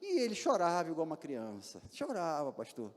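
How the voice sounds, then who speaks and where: A Brazilian pastor delivers a sermon in a church with a high, expressive voice. He fires off rhetorical questions and acts out little scenes as he preaches. His words ring with long reverb from the hall. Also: a little fast. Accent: Brazilian Portuguese. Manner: animated preaching with rhetorical questions and acted-out examples.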